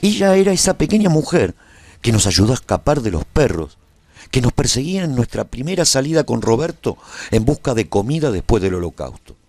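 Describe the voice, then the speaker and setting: A man's voice: medium pitch, very animated, fairly quick, darkish tone, dry recording. A man playing a war survivor, solemnly narrating a heroic epic for a radio serial with emphatic delivery. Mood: solemn, nostalgic. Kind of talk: scripted dramatic narration.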